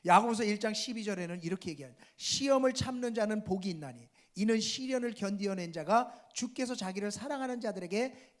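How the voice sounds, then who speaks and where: A male pastor preaching a sermon, appealing to the congregation again and again. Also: high-pitched. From South Korea.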